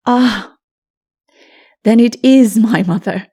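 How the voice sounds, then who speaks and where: Humble fantasy hero read by a woman, male, earnest and reverent, with a soft, creaky delivery. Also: on the high side, slow, heavily acted. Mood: wondering. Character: humble, wondering man, narrator hero of dark fantasy.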